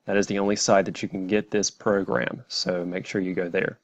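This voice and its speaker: A man narrating a step-by-step software tutorial in a plain, methodical way. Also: low-pitched, flat delivery, normal speed, dry recording. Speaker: tutorial presenter.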